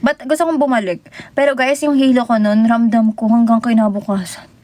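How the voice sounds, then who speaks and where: A woman's voice: a little high, fairly even intonation, brisk, darkish tone. A young Filipino woman chatting casually with viewers on a livestream, giggling and greeting people by name. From Philippines. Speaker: idol livestreamer. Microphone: phone.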